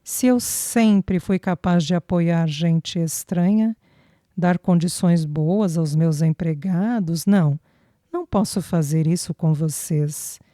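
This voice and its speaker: Woman doing a gruff old italian dad in an audiobook, blunt, slow, low-ish voice. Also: mellow, no echo, studio quality. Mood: humble, firm. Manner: blunt, sprinkles Italian words. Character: older Italian immigrant father, stern but repentant.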